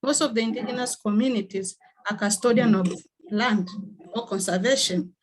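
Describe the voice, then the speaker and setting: A woman's voice: a little high, moderate pace, poor audio. Earnest Tanzanian woman at a meeting. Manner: earnest, with fillers and restarts. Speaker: NGO worker. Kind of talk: online meeting remarks.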